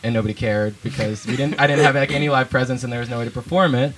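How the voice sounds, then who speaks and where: A man's voice: mid-range voice, steady tone, rapid-fire, a bit bright, a little hiss or hum. A young man from Vermont, a band leader and guitarist, talking loosely in an interview with lots of fillers and restarts. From Vermont, USA. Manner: chatty and laughing, with many fillers and restarts. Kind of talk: casual interview chat.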